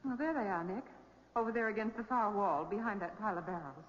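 An actress playing a plucky, curious young assistant to a detective in a 1940s radio crime drama. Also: female voice, medium pitch, fast, lightly acted. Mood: uneasy, chatty. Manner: eager, questioning. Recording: dull, noisy old radio recording.

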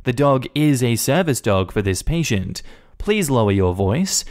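A man's voice: mid-range voice, very animated, a little slow. A man voicing a polite, apologetic young woman receptionist at a clinic. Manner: overly apologetic, soft and courteous.

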